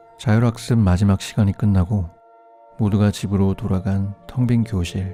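Music plays in the background. The speech moves at a fairly slow pace with fairly even intonation. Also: man. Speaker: book narrator. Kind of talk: book trailer narration of poetry/essay.

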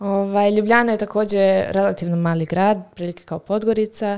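A woman at a medium pitch and moderate pace with fairly even intonation, against a quiet background. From Montenegro, Herceg Novi; Montenegro. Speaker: graduate student; podcast guest. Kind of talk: interview. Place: studio. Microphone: studio mic.

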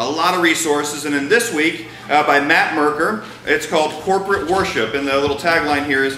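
Over light background noise and audible room echo, a man talks at a very fast pace with ordinary pitch variation. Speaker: pastor giving announcements. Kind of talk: church announcements. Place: church. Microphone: podium.

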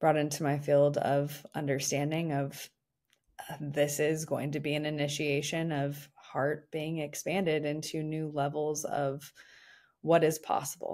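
Very deep, low pitch from a woman, monotone and flat, at a fairly slow pace over a quiet background. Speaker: podcast host. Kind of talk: reflective personal podcast monologue. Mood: soft, vulnerable, reflective. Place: home room. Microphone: studio mic.

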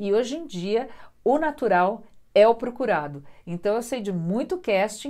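Over a quiet background, a woman speaks in a high pitch with lively intonation. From Brazil. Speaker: voice-over artist and coach; voice-over coach, vlogger. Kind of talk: vlog advice to followers. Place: home room. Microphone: lapel.

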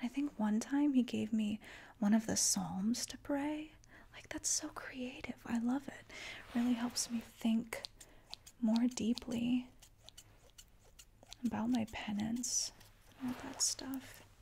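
A soft-spoken woman whispering at a very slow pace, with big swings in loudness, long, frequent pauses and light background noise. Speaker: ASMR creator playing a hair stylist. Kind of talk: ASMR roleplay, soft-spoken salon stylist chit-chat. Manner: soft-spoken, friendly, whispered. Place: home room. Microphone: studio mic.

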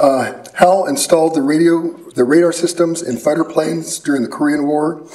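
A plain, everyday voice at a fairly quick pace. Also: man. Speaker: event organizer introducing speakers. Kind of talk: event introduction. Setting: stage with audience. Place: hall. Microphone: podium.

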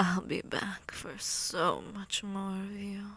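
The voice is soft-spoken and very slow. The sound is dry, with no echo. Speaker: voice actor playing a vampire. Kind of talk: roleplay character performance. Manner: soft, teasing ASMR character voice.

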